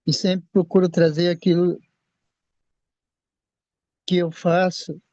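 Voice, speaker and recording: Older Brazilian man giving a halting testimony. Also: high voice, flat delivery, mellow, dry recording. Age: 60s. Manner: halting, repeats and restarts words. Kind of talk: personal faith testimony. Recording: dull lo-fi sound.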